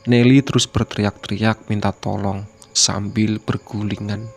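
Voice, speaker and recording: A man narrating a horror story as a scripted reading, with a steady, even delivery. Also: fairly low pitch, measured pace, creaky, slight background noise.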